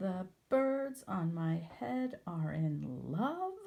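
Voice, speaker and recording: Someone speaks very slowly in a put-on character voice at a middle pitch. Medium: read story.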